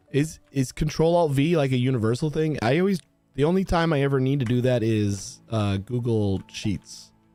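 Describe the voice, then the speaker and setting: A man at medium pitch and moderate pace, with lively intonation, very even loudness and music in the background. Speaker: streamer. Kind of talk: casual talk while gaming on stream.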